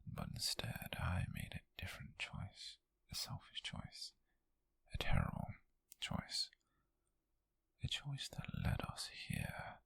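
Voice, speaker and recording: A man playing an obsessive, lovesick captor in an intimate audio roleplay, confessing in a halting, breathy whisper, pleading yet menacing. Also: deep voice, huge pitch swings, fairly bright tone, dry recording, full character voice. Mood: regretful, obsessive. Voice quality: breathy, husky, gravelly whisper. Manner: slow, halting confession with sighs.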